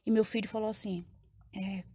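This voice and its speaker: A woman's voice: mid-range voice, steady tone, moderate pace, mellow, husky, dry recording, clean studio sound. A woman with a Brazilian accent giving an emotional personal testimony to a church congregation, repeating phrases as she tells her story. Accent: Brazilian Portuguese.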